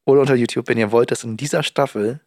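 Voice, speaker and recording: A man's voice: medium pitch, fairly even intonation, quick pace, darkish tone, no room sound, studio quality. A young man co-hosting a casual podcast, chatty and rambling, with lots of fillers and restarts. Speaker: podcast co-host. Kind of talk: casual chat.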